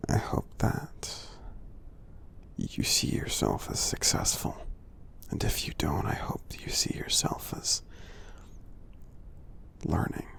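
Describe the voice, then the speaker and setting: Gentle, reassuring giant for ASMR roleplay, played by a man; low, heavily gravelly, breathy half-whisper. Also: exaggerated voice. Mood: tender, encouraging. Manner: slow, soothing, halting, reassuring. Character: friendly gentle male giant, tender and encouraging. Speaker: ASMR performer.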